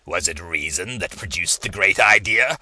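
A man's voice: low voice, animated, normal speed, crowd noise. A man voicing a pushy male inner voice that speaks in a guttural growl, blunt and commanding.

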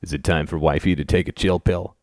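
A man's voice: a little high, wildly swooping pitch, slow, darkish tone, no echo, clean studio sound, voice pushed up, heavily acted. A man voicing an oafish husband in a dramatic story, mocking and blustering with a wounded whine. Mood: smug, teasing. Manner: goofy taunting, wounded whine.

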